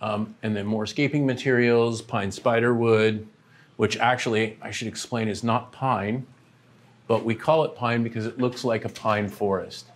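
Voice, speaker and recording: A man's voice: on the low side, moderate pace. A middle-aged man, a shop owner, giving a casual walking tour of his large indoor aquarium shop and warehouse, talking with lots of "um" fillers. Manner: relaxed, many "um" fillers, pointing at products as he walks.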